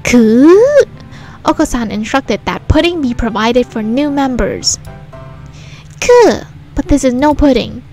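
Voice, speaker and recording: Woman voicing a shrill, melodramatic cartoon pigeon. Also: very animated, slow, faint music behind, exaggerated voice. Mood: outraged. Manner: bombastic third-person declarations with loud coos. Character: hyper, melodramatic male fantail pigeon, indignant about pudding.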